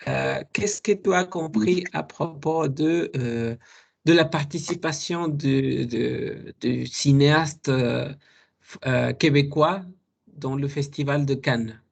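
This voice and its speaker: Man, French tutor, raspy, gravelly, patient explaining, lots of fillers. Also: a little high. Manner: explains patiently, imitates accents, halting with many fillers. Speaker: French teacher.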